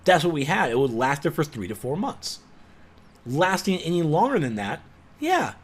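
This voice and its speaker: A man giving a sarcastic, exasperated rant as a gaming commentator, with sudden loud outbursts. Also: on the high side, very animated, normal speed, breathy edge. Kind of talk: ranting video commentary.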